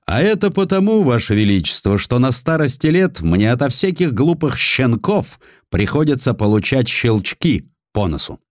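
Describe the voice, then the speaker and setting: Man playing a proud, sharp-tongued old general, animated. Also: medium pitch, moderate pace, no echo, clean studio sound, voice pushed up, natural voice. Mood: insolent pride. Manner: blunt, insolent, pointed delivery.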